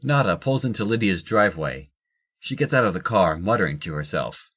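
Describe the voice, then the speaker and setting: Low-pitched audio drama narrator. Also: very animated, a little fast, fairly bright tone. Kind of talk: scripted narration of stage action.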